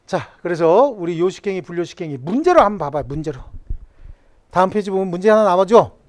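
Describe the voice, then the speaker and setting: A man's voice: high-pitched, expressive, fast talker. A man lecturing on civil law to a classroom, joking and firing questions at the students.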